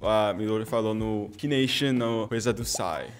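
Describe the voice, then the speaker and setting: A man's voice: fairly low pitch, moderate pace, clear, resonant tone, soft background music. Young man chatting with handheld mic. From United States. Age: young adult. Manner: relaxed, hesitant, mixes English words into Portuguese. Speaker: interview guest, rapper. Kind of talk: casual interview chat. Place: studio room with logo backdrop, seated.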